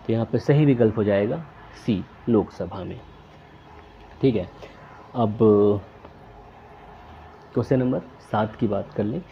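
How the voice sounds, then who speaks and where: A man's voice: fairly low pitch, measured pace, gravelly, long pauses, lo-fi sound, slight background noise. A man working through exam questions, reading each question and its options aloud before naming the answer. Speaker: quiz tutor.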